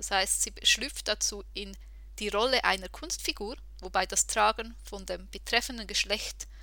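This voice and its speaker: A woman at a fairly slow pace. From Switzerland. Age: 30s. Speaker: podcast host. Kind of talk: casual chat.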